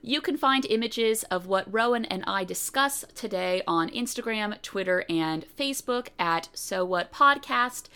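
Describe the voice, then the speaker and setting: A woman's voice: medium pitch, sharp tone, clear, resonant tone. A woman with an American accent hosting a podcast, reading a guest's biography and then opening a video-call interview in an eager, upbeat way. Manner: upbeat, eager, reads bio aloud. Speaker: podcast host. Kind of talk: podcast interview with scripted intro.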